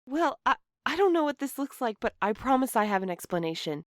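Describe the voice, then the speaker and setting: A woman acting an anxious, earnest young woman in an audio drama, speaking in an expressive, conversational way. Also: on the high side, a little fast, very noisy. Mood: anxious, apologetic. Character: Clementine, anxious, earnest young woman snooping on her date.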